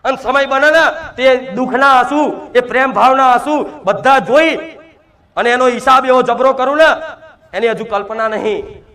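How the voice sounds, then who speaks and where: A man's voice: extremely high pitch, moderate pace, bright, forceful tone. A man giving an emphatic devotional sermon, speaking in the first person as a divine mother to her devotees and asking rhetorical questions. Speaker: spiritual medium speaking as the goddess to devotees.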